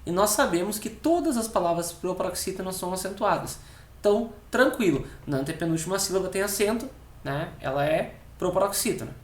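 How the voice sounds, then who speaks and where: With a Rio Grande do Sul accent from southern Brazil, a male Portuguese teacher for civil service exams leads an exam-prep lesson, explaining each step and closing almost every phrase with a brief check-in question. His voice sits high and sounds expressive, and he stresses key words by repeating them slowly, in an echoey room.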